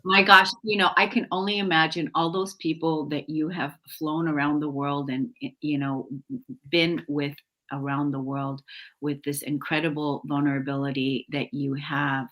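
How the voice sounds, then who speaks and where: A woman's voice: low-pitched, little pitch movement, normal speed, fairly bright tone. A woman co-hosting a talk show, gushing with effusive praise and many fillers. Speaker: co-host. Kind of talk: warm-hearted talk show chat.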